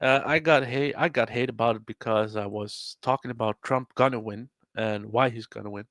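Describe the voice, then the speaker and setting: A man from Belgium, a Dutch speaker, chatting casually and haltingly, often repeating words. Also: medium pitch, fairly even intonation, fairly bright tone, no room sound, clean studio sound. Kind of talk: casual podcast chat.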